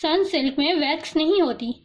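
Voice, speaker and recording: A woman's voice: high-pitched, lightly acted. A woman voicing a pleading, heartbroken young man. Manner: pleading, worried.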